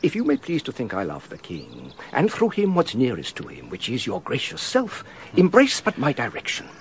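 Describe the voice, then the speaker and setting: Loyal earnest courtier for a radio play; animated, measured delivery. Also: male voice, medium pitch, creaky, slight background noise. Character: loyal older male courtier and counsellor, earnest. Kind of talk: classic radio drama acting.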